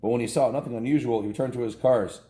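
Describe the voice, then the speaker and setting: A man's voice: medium pitch, fast, dark tone, roomy sound, a little hiss or hum. A man reading a children's story aloud in an informal, homespun way, stumbling and correcting himself with casual asides.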